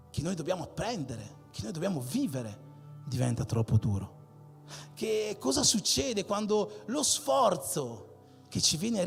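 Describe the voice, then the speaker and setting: Animated male pastor preaching. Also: fairly high pitch, vocal fry. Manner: animated preaching with repeated emphatic phrases. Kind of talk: sermon. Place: church hall. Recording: long hall reverb with faint music.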